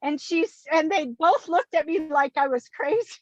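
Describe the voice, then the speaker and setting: Very high-pitched sixty-year-old woman, dull audio. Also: lively intonation, normal speed, no echo. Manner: giggly, enthusiastic. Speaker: interview guest, kindergarten teacher. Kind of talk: casual, animated chat. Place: inside a car, on a remote call. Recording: dull, close, lo-fi call audio.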